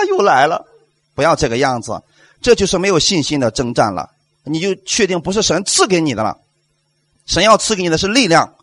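Man preaching, high voice, very animated pitch, dry close sound, rhetorical questions, emphatic. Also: no room sound. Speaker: pastor. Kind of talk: sermon.

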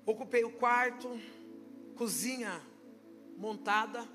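Brazilian woman pastor, impassioned testimony preacher, sharp bright tone that climbs to shouting. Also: fairly high pitch, takes it slowly, soft background music. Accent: Brazilian Portuguese. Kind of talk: testimony sermon. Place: church service.

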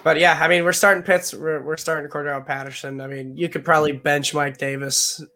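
A man's voice: a little high, fairly even intonation, a little fast, pushed and bright. A man with a nasal voice co-hosting a casual sports podcast, hedging with many filler phrases. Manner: hedging, lots of "I mean". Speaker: co-host.

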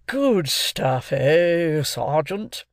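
A man reading aloud and voicing a pompous, stout older gentleman who drawls slowly and sounds pleased with himself. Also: fairly high pitch, big pitch swings, no echo, studio quality, full character voice. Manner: slow, drawling, self-satisfied.

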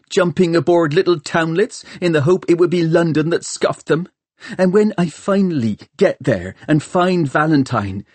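A man's voice: mid-range voice, a little mellow, husky, dry recording, voice pushed up. A man voicing a fierce, vengeful young woman in an audiobook, snappish, blunt and mocking. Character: fierce, bitter, injured young woman bent on revenge. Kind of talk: audiobook character dialogue.

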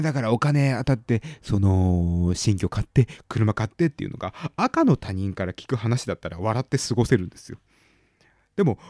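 Man, 30s, casual solo chat, rambling with fillers, very animated pitch, dry voice. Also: no echo. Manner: rambling, chatty, with hesitant fillers; bursts into exaggerated exclamations. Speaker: podcast host.

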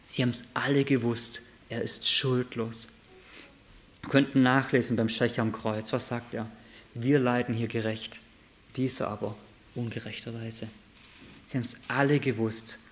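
A man preaching a sermon, reading Bible verses aloud and asking lively rhetorical questions, moving between loud and soft passages. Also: medium pitch, normal speed.

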